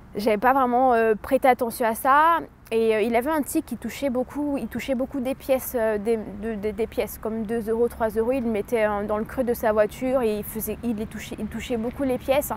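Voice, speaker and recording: A woman talks at a moderate pace with hardly any pauses. Her fairly high voice keeps fairly even intonation. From Cameroon. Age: 20s. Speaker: testimony speaker. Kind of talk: testimony. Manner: halting, many hesitations.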